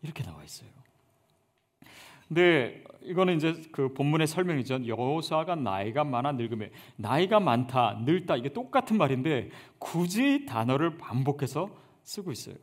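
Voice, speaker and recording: A man's voice: fairly high pitch, very animated, normal speed, husky. A man preaching a sermon as pastor, earnest and conversational, building up emphasis on key points.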